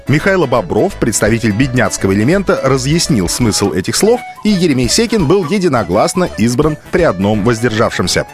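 A man reading a humorous story aloud, raising his voice for the characters. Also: fairly low pitch. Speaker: reader. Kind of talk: expressive audiobook reading.

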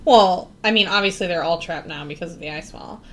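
A woman's voice: lowish voice, brisk, a bit bright. Woman podcast co-host, easygoing, agreeable, loose and rambling. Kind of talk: casual chat recapping a TV episode.

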